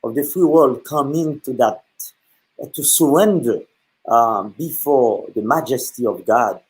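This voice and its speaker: A middle-aged man from Haiti, a Catholic priest speaking earnestly about faith, pausing often and filling gaps with "uh". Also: medium pitch, low-quality recording. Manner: earnest, with many pauses and fillers. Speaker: guest speaker. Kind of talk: reflective talk on faith.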